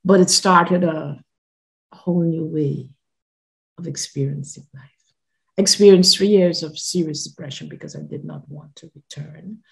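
An older woman, born and raised in Guyana, recounts her own experience for a podcast. She speaks from her living room over a video call in a lowish voice, pressing hard on key words and letting her phrases drift softly away. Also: fairly even intonation, moderate pace, vocal fry, poor audio. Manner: earnest, emphatic, often trailing off softly. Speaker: podcast guest. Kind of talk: personal storytelling.

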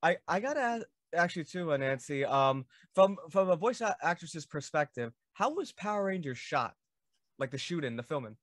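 A man's voice: a little high, big pitch swings, normal speed, fairly bright tone, dry recording, clean studio sound. A man in his thirties hosting a video-call interview, eager and fan-like, with frequent stumbles and restarts. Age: 30s. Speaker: podcast host.

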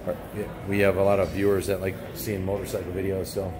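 A man's voice: sits low, completely flat delivery, fast, a crowd in the background. An older man casually narrating a walking tour of a restaurant, chatting as he points things out, filmed on a handheld phone. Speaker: vlogger touring a venue. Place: restaurant and bar, indoors.

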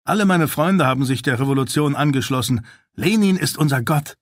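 A man's voice: fairly high pitch, brisk, no echo, voice pushed up, lightly acted. A proud, eager teenage boy soldier, as a male reader puts him on in a raised, earnest voice. He speaks with earnest pride. The sound is dry and close. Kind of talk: audiobook character voice.

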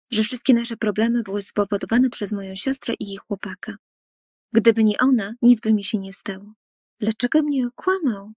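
Dark husky woman narrating a story. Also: medium pitch, dry recording, clean studio sound. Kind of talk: scripted first-person story narration.

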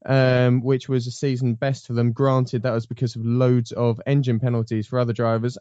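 A man's voice: mid-range voice, mellow, no echo, lo-fi sound. A man hosting a casual motorsport panel chat, rambling with frequent ums and restarts. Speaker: podcast host.

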